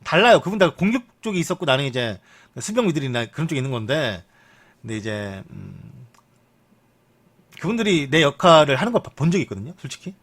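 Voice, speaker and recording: A young man streaming live, reading football news in a chatty, joking way and muttering asides. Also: brisk. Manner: chatty, lively pitch, jokes and mutters asides. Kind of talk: casual live-stream commentary.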